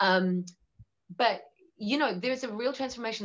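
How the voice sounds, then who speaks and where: A woman in a New Zealand accent, with ordinary pitch variation. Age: 40s. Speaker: singer-songwriter and voice teacher. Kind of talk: casual chat. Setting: video call. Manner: fast; animated.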